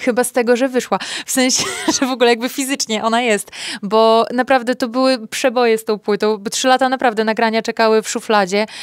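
The speech comes at a very fast pace in a monotone, flat intonation, with a dry sound and no echo. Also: woman, fairly high pitch for a woman. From Poland, Białystok (Podlasie); Poland. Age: 20s. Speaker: jazz singer; guest. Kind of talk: radio interview. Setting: radio studio. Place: studio.

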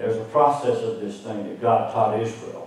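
A man talks at a fairly quick pace. The room echo is strong. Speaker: pastor. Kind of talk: sermon. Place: church. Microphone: camera far.

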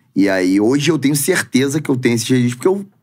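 Speaking very fast in a Carioca accent, a man keeps to a medium pitch. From Rio de Janeiro, Jacarepaguá. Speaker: organized football supporters' group leader. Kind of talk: casual interview. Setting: studio. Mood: nostalgic storytelling. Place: studio. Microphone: studio mic.

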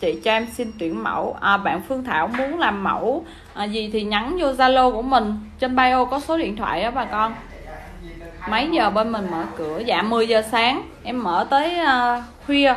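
With light background noise behind her, a woman speaks fairly slowly at a fairly high pitch, her intonation lively. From Vietnam. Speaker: tattoo artist. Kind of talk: livestream chat. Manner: animated. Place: shop. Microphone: phone near.

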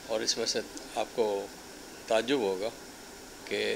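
Background noise is noticeable behind a man's voice. He speaks at a medium pitch with fairly even intonation. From Pakistan, Karachi; Pakistan. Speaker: lawyer and spiritual figure; lawyer. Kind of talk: interview. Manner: slow, soft-spoken. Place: home room. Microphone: handheld.

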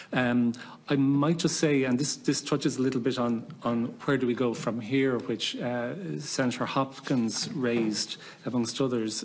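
Speaking at a fairly slow pace, a man with an Irish accent keeps his intonation fairly even. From Ireland. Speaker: government department official. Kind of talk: committee testimony. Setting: committee hearing room. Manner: formal. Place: meeting room.

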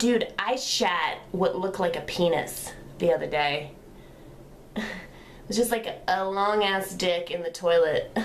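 Light background noise sits behind a woman speaking at a fairly slow pace. She takes long, frequent pauses, with ordinary pitch variation. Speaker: vlogger. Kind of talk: casual vlog chat. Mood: irritated, ranting. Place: bathroom. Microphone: phone near.

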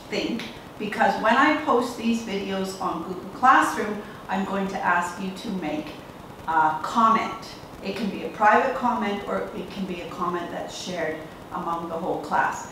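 Amid noticeable background noise and strong room echo, a woman talks at a moderate pace with ordinary pitch variation and big swings in loudness. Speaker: teacher reading to pupils. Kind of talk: storytelling read-aloud to children. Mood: warm, encouraging. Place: home room. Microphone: camera far.

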